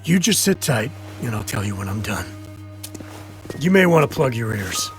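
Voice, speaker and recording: An actor playing a cruel, sneering convict gang boss in a video game, taunting and threatening in a deliberate way. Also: male voice, medium pitch, very animated, faint music behind, natural voice. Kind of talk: video game cutscene acting.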